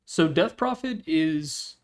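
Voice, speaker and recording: A man's voice: on the high side, expressive, slow pace. A man presenting a ranking video with casual, opinionated commentary, informal and mildly profane, with wry asides. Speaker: presenter of a tier list slideshow video.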